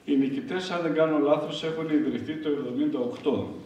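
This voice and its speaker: A man giving an emotional tribute at a church dinner, halting and choked up, pausing to clear his throat. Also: fairly high pitch, steady tone, a little mellow, highs cut off. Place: hall at a church dinner gathering. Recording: echoey hall from far off with faint noise.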